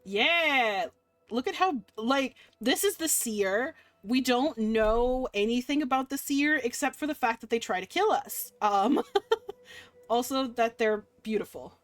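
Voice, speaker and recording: A woman's voice: on the high side, lively intonation, a little slow, soft background music. Woman streamer reading a game aloud. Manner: dramatic first-person narration, giggly asides. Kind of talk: reading a visual novel aloud with commentary.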